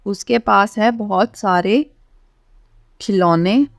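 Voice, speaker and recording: A woman's voice: medium pitch, takes it slowly, vocal fry, dry recording, clean studio sound. A woman with an Indian accent teaching a language lesson step by step, in an instructional way with frequent short check-in tags. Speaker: English teacher, channel host.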